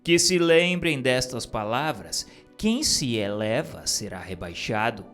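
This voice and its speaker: Slow, solemn male narrator. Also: soft background music. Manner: slow, measured, grave delivery with lively pitch swings. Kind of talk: solemn scripted reading of a spiritist text.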